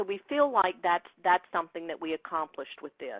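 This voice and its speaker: A woman of medium pitch talks in a Southern US accent with lively intonation at a moderate pace. The sound is dry and close, with no echo. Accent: Southern US twang. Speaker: mental health program author and presenter. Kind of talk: webinar presentation.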